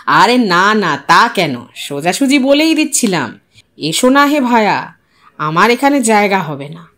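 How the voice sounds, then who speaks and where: A woman's voice: mid-range voice, very animated, unhurried, fairly bright tone, pitched below the performer's own voice. A woman voicing a joking man of modest means who banters as he hosts, in an audio story. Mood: teasing. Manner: bantering, familiar.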